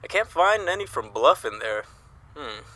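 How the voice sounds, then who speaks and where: A man's voice: on the high side, sing-song, moderate pace, sharp tone, low-quality recording. A man playing a jovial, folksy newspaper colleague in an audio drama, cheery and courtly in manner. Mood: cheerful.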